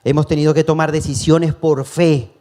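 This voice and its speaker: A man's voice: a little high, little pitch movement, moderate pace, dark tone. A man preaching a sermon, earnest and personal, telling his story to the congregation, calling them brothers and chuckling now and then. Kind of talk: sermon testimony.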